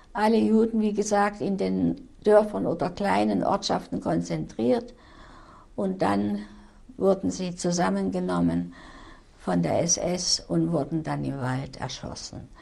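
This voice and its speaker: A woman speaks at a very slow pace, her pitch very deep and low with very wide swings. Her tone is dark and mellow. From Germany, Leipzig. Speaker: Holocaust survivor. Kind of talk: testimony. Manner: halting.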